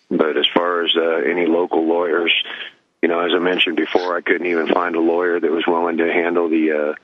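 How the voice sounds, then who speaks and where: A man calling in to a talk show, speaking haltingly with many pauses and fillers. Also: rumbling low, no room sound. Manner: halting, full of ums. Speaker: caller. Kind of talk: phone-in chat. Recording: dull dry phone line.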